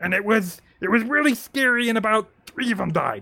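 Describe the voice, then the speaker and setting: In a very clean recording with a silent background, a female-sounding voice puts on a character voice pitched fairly high. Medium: actual play.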